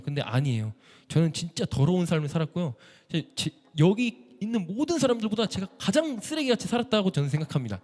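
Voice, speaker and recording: A man giving an emotional church testimony as a missionary violinist, telling his story with animated feeling. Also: a little high. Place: church sanctuary. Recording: echoey church hall.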